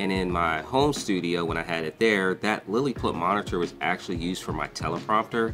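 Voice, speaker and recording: Clear music plays in the background as a man with a very deep, low pitch speaks at a fairly quick pace. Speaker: content creator. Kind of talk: studio tour commentary. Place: studio.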